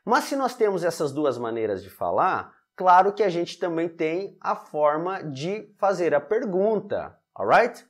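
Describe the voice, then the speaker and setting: Brazilian man teaching English, lively pitch. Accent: Brazilian Portuguese. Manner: lively teaching, often checks in with "alright?" and "ok?"; repeats example sentences slowly. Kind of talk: online grammar lesson.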